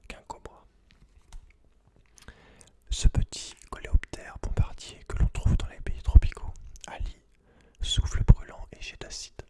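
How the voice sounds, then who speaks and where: Whispering man, ASMR host. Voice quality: breathy, unvoiced whisper. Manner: informal, slangy asides to the listener. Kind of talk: whispered ASMR reading aloud with casual asides.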